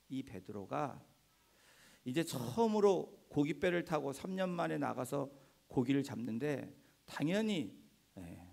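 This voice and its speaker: A middle-aged male pastor giving a Sunday sermon in a church, telling stories gently and often affirming himself with "ye". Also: a little high, vocal fry. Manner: gentle storytelling with frequent "ye" affirmations. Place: church sanctuary.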